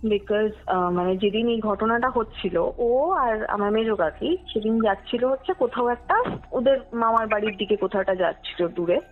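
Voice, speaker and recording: High-voiced young woman on tinny phone. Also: normal speed. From West Bengal, India. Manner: mixes English words, often checks listener follows. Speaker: podcast guest telling her true ghost story. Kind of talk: conversational personal storytelling. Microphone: phone call. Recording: tinny phone call, music underneath. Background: background music.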